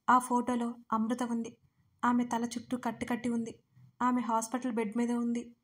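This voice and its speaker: Female storyteller, dramatic narration, somewhat high voice. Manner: expressive, dramatic reading.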